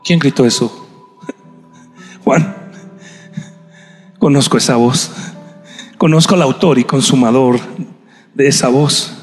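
A man preaching a sermon, telling the story dramatically, acting out scenes and bursting into shouts. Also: medium pitch, slow pace, long pauses. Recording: long hall reverb, faint music.

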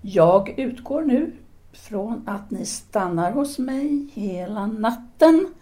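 An actress playing a self-possessed intellectual woman in an audio drama, formal and measured yet intimate and seductive. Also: on the high side, lively intonation, mellow, natural voice. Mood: ardent longing. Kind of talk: audio drama letter monologue and dialogue.

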